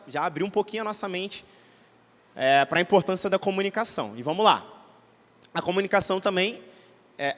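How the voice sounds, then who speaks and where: Brief: Brazilian man, fairly high voice, chatty seminar teacher, long hall reverb. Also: a bit bright. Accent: Brazilian Portuguese. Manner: conversational and didactic, many tag questions. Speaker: church seminar speaker. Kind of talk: teaching talk to an audience. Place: church hall.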